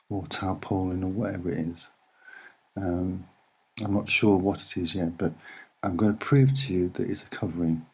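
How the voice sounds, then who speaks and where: A soft-spoken man with a slightly husky voice, presenting and explaining images in an unhurried, earnest way with hesitant pauses. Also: low-pitched. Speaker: online video presenter.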